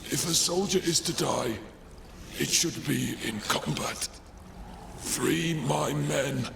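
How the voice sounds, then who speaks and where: An actor playing a weary, despairing old soldier in a video game, speaking in a strained, halting, solemn way over watery background noise. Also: male voice, on the high side, fairly bright tone, full character voice. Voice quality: gravelly, strained. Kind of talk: video game cutscene acting.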